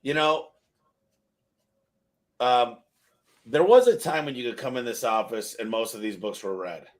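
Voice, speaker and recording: A man in his late thirties hosting a casual podcast interview, talking in an energetic, rambling, self-deprecating way with casual slang. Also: mid-range voice, unhurried. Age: 30s. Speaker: podcast host.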